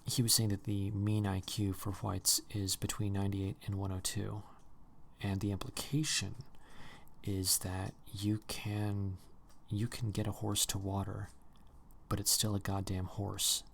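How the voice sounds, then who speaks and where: Casual male stream host, low gravelly voice, rambling delivery. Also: monotone, a little slow, slight background noise. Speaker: livestream host. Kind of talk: casual chat.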